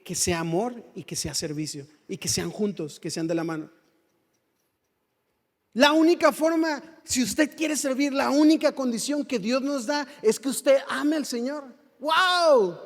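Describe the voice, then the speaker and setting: A man preaching with a Mexican accent, his voice sitting high for a man. He preaches fervently, throwing rhetorical questions at the congregation. A long hall reverb trails every phrase, as in a church sanctuary. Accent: Mexican Spanish. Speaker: pastor. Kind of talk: sermon.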